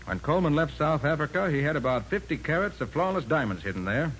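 A shrewd male detective from an old radio crime drama. He is self-assured and coolly polite, with very lively pitch. The recording is noisy, 1940s radio. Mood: confident, deducing. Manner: brisk, coolly polite, probing.

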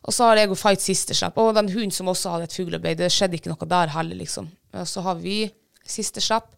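A woman's voice: lowish voice, fairly even intonation, gravelly, clear, resonant tone. A woman, a bird dog handler, casually retelling a field trial with many fillers and restarts. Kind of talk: casual storytelling.

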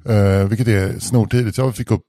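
A man's voice: on the low side, steady tone, mellow, no echo, studio quality. A man on a podcast telling a long anecdote in a casual, rambling way, often restarting sentences and swearing casually. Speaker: podcast co-host.

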